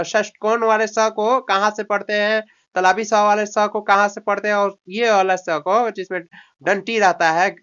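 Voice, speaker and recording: A man's voice: high-pitched, fairly bright tone, clean tone. A man tutoring a student in English vocabulary, explaining in Hindi, coaxing and scolding by turns and drilling words by repetition. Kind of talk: English lesson taught in Hindi. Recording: dull lo-fi recording.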